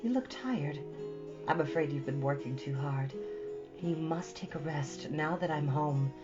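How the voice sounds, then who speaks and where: A woman voicing an eager, earnest teenage girl, hopeful and tender, in an expressive storybook reading. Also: low-pitched, measured pace, dull audio, over loud music. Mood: tender, caring.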